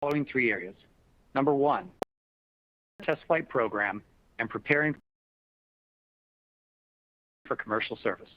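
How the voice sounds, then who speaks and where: A man speaking as a chief executive, giving a prepared earnings presentation in a formal, measured corporate style. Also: mid-range voice, dry recording. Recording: dull, dry conference call audio.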